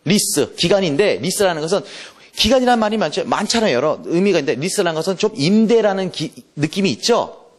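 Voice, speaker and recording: A man lecturing on English literature for exam prep, teasing his students with quick rhetorical questions and reading English verse slowly and deliberately. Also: high-pitched, sing-song. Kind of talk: classroom lecture.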